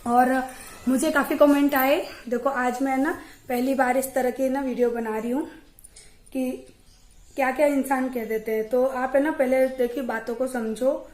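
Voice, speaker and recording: A young woman vlogging from her home, chatting to camera and telling stories in a lively way. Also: high-pitched, echoey room. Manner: chatty, animated storytelling. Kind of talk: casual chat to camera. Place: at home, indoors.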